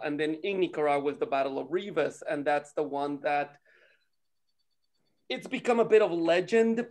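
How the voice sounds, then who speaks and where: A man with a fairly high voice. He talks casually like someone telling friends a story, informal and loose-tongued, pausing now and then to search for words. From Costa Rica. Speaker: participant in an online table read gathering. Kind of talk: casual chat, animated storytelling.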